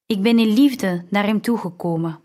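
A woman reading the lines of a calm, devout young man in an audiobook, gentle and firm in manner. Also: mid-range voice, moderate pace, natural voice. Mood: earnest.

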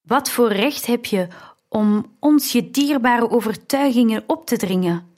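A woman's voice: a little high, unhurried, darkish tone. A woman reading the indignant lines of a proud, stubborn young woman in an audiobook.

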